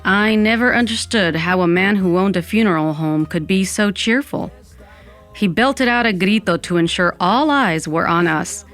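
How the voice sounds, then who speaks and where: A woman's voice: mid-range voice, normal speed, a bit bright, faint music behind, close to an everyday voice. A woman playing a wry Latina narrator who tells her own story in an audio fiction podcast. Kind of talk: scripted first-person narration.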